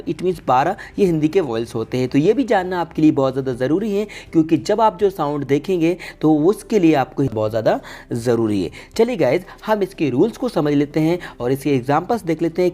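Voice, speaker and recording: Patient, mellow-voiced male teacher. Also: a little high. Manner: patient, repeats each point and calls listeners "guys". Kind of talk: classroom-style video lesson.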